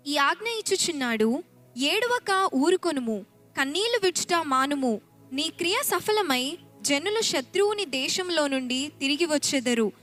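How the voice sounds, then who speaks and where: A woman reading Bible verses aloud during a sermon, in a steady and formal recitation. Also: high-pitched, unhurried, faint music behind. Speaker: scripture reader.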